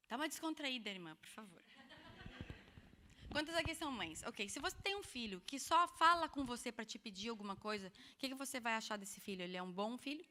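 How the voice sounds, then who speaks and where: A woman preaching an expressive, animated sermon at a women's church meeting, with humorous asides to the audience. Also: sits high, big-room sound. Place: church hall.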